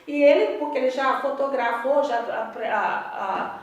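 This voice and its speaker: A woman with a Brazilian Portuguese accent training English teachers in a lively instructional talk, modeling drills aloud with varied intonation. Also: high-pitched, unhurried. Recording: echoey room, voice from a distance.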